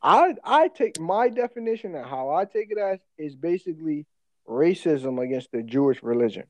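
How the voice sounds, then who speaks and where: A man's voice: a little high, sing-song, a little mellow, dry recording, rough recording. A man with an African American English accent chatting casually as a podcast co-host, telling stories in profane slang. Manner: slangy, profane, quick to laugh. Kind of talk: casual chat, personal storytelling.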